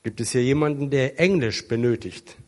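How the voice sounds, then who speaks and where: A man preaching a sermon to a congregation, earnest and emotional, stretching key words slowly for emphasis. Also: mid-range voice. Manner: emotional, earnest, with some dramatic slow emphasis and rising intensity. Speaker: pastor. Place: church hall with an international congregation.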